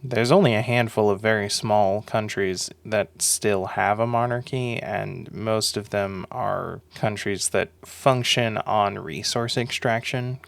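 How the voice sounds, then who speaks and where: A young man with a sore throat delivers a sarcastic monologue, swearing now and then. His voice sits low and rasps with vocal fry. The sound is dry and close, with no room echo. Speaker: video essay host.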